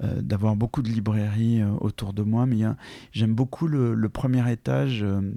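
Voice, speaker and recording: This man's voice has a dark, mellow tone. It sits at a medium pitch. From Iraq. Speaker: comic book artist and author. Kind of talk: interview. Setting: artist's studio. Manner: hesitant, many fillers and repetitions.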